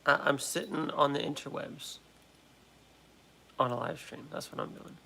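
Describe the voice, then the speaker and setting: An American man in his late twenties hosting a casual livestream chat, talking in a halting, repetitive way that often interrupts itself. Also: a little high, steady tone, gravelly, pushed and bright, a little hiss or hum, poor audio. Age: late 20s. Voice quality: trouble pronouncing R sounds. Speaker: livestream host. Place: at home.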